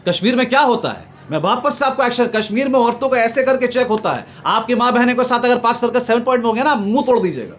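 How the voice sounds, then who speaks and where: A man's voice: very high-pitched, lively intonation, quick pace, hardly any pauses, fairly bright tone. A man making an impassioned political argument, emphatic and repetitive, building his points in oratorical lists. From Bengal, India. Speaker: political commentator being interviewed. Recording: noticeable background noise.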